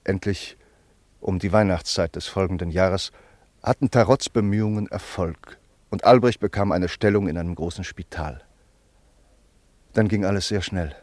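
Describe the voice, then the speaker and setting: A man narrating a scripted radio play in a sober, measured way. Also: sits low, a little mellow, dry recording.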